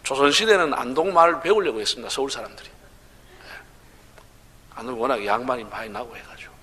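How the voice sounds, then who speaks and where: Joking with the congregation in a chatty, humorous way, this man is a pastor preaching at a revival meeting with a Gyeongsang Korean accent. He has a mid-range voice with a sharp tone and a brisk delivery. The setting is a large church sanctuary, recorded in a reverberant hall with a little hiss or hum.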